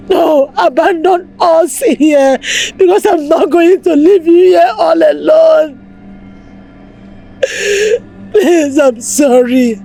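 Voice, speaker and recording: A woman plays a grieving wife, sobbing as she pleads with her husband's body. Her voice sits high yet sounds mellow and dark, and her words come out slow and heavy. Faint music plays under her. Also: heavily acted. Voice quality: tearful, pleading. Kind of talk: film acting.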